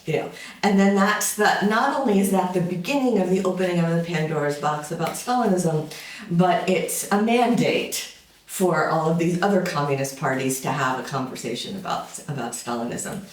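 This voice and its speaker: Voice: mid-range voice, normal speed. A lecturer in their fifties giving an informal summer school talk, conversational and full of fillers, with wry asides. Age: 50s. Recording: roomy sound from a distant mic.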